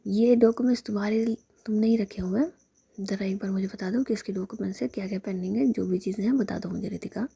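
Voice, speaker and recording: A woman puts on a bossy young boss lady who keeps begging, whispered role-play, dark breathy gravelly whisper. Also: mid-range voice, fairly even intonation, fast. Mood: coaxing.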